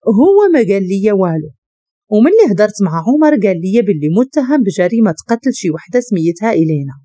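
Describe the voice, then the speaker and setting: Lady reading as a caring moroccan guy, earnest, warm low tone. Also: very animated, fast, no echo, studio quality. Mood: concerned. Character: caring young man, worried brother.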